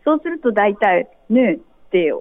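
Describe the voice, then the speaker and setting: A woman's voice: mid-range voice, expressive, moderate pace, phone-quality sound. A woman teaching Korean as a radio guest, explaining patiently and politely with example phrases. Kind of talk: radio interview.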